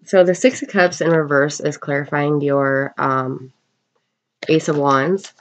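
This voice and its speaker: A woman getting over a cold gives a casual tarot card reading, speaking haltingly with unhurried pauses. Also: deep voice, steady tone. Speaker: tarot reader. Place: indoors at a table in a room. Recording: dull, lo-fi webcam sound.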